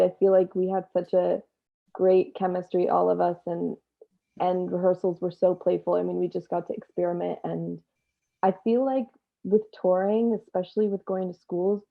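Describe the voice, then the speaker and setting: Lower-voiced young woman, dull lo-fi sound. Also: gravelly. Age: young adult. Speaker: actor, interview guest. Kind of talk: casual panel chat. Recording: dull, lo-fi call audio.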